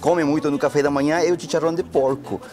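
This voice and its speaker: A man's voice: fairly high pitch, fairly even intonation, fast, over music. A middle-aged man from Peru who speaks Spanish natively, talking with a Peruvian Spanish accent as a restaurant guest in a TV studio, polite and hesitant with many fillers. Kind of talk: studio interview. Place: bright TV studio. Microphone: handheld microphone.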